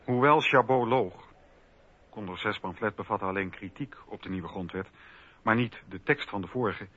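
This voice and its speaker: A man's voice: on the low side, normal speed, sharp tone. A man narrating history from a script for a documentary radio play. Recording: dull radio recording with faint music.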